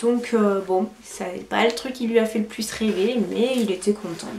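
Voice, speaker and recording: A woman vlogger chatting through a casual product review, hesitant with fillers and quick self-corrections. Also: medium pitch, fairly even intonation, creaky, darkish tone. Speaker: lifestyle vlogger. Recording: roomy echo, faint background noise.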